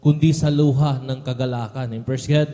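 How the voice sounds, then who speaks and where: A man's voice: medium pitch, steady tone, normal speed, warm tone. Earnest young Filipino man testifying in a hall. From Philippines. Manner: earnest, repeats "beloved" after every phrase. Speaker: church member giving testimony. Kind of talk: spoken testimony at a prayer service. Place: church hall. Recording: long reverb of a church hall.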